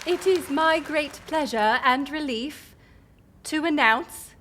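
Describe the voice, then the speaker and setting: A woman playing a gracious, resolute middle-aged queen in an audio roleplay, speaking in formal, stately, measured phrases. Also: sits high, fairly bright tone, a faint crowd, slight background noise. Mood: proud proclamation. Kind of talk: scripted audio roleplay acting.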